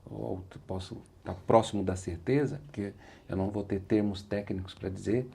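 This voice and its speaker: Brazilian guy on a podcast, earnest, talks thru his story, gravelly dark voice. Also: on the low side, fairly even intonation, moderate pace. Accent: Brazilian Portuguese. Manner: earnest, repeats "said like this" when quoting himself. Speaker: interview guest, motivational speaker. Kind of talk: reflective storytelling in conversation.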